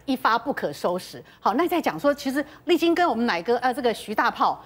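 A woman tells gossip as a talk show panelist. Her voice is high and swoops up and down, her delivery is rapid, and she scatters dramatic interjections all through it. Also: sing-song, breathy edge. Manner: dramatic storyteller, full of interjections. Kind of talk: animated gossip storytelling.

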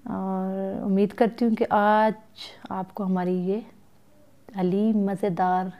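A woman cooking in her home kitchen, calmly explaining each step of a recipe to her viewers as she stirs at the stove. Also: mid-range voice, takes it slowly, highs cut off. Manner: calm, instructive, addresses viewers directly. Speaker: cooking vlogger.

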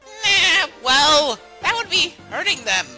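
A woman voicing a loud, naive male skeleton in a cartoon comic dub, earnest and emphatic. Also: extremely high pitch, big pitch swings, slow pace, faint music behind, exaggerated voice. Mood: earnest, puzzled. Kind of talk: comic dub character acting.

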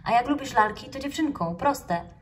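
A woman's voice: high voice, expressive, normal speed, distant mic, slight background noise, voice pushed up. Brief: little male raccoon, self-assured expert tone, voiced by a woman storyteller. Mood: smug. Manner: smug, expert-sounding. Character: know-it-all little male raccoon pupil.

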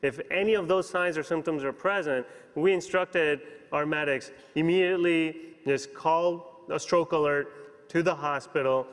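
A man in his thirties giving a conference keynote as a physician, explaining briskly and checking in with "you know" and "okay?" on a lapel mic. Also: fairly high pitch. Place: large conference hall stage. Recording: long hall reverb.

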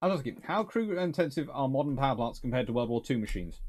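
This British naval historian, in his thirties, talks fast in a mid-range, expressive voice with a darkish, slightly rough tone. Chatting casually in British English from a book-lined home study, he reviews books and answers questions, given to dry, wry asides and abrupt bursts of enthusiasm.

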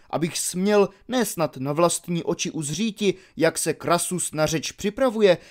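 A man doing an eager young Roman, high and exclaiming. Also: darkish tone. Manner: raised, eager, exclaiming delivery. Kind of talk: audiobook reading of a classical dialogue.

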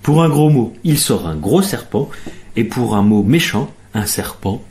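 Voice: medium pitch, sing-song, measured pace, darkish tone, slight background noise. A performer voicing a charming, courteous young male doctor in a radio story.

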